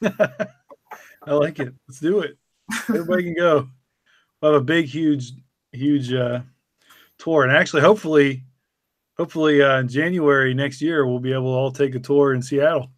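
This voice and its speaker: A man's voice: fairly high pitch, normal speed, pauses often, dry recording, clean studio sound. A man in casual podcast chat, joking and informal.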